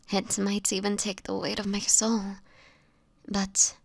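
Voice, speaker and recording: An actress voices a sickly homeless vampire woman for an intimate audio drama. Her voice is soft and crackles with fry, often sinking into a whisper. She speaks haltingly in courteous, old-fashioned phrases, gentle yet guarded and sad, recorded close and dry. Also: medium pitch, no echo, full character voice. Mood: hushed, confiding. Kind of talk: intimate audio roleplay acting. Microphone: close microphone, dry.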